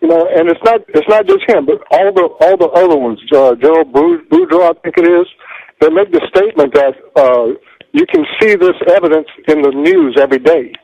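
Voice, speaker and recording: A man's voice: on the high side, huge pitch swings, fairly quick, gravelly, warm tone. A man calling in to a radio show, making his point in an earnest, argumentative way. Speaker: caller. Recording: phone line.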